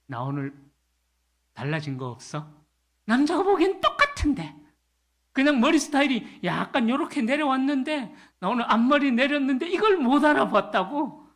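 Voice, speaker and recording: A man's voice: fairly high pitch, fairly bright tone. A middle-aged male pastor preaching at a Friday prayer meeting. He talks in a conversational way, often asks the congregation to agree, and acts out the lines he quotes with humor.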